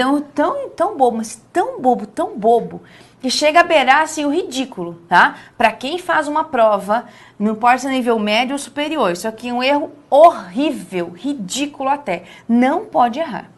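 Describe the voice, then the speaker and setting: A woman with a Brazilian Portuguese accent teaching a lesson on essay writing, stressing key words by drawing them out slowly and checking in with the listener often. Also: high-pitched.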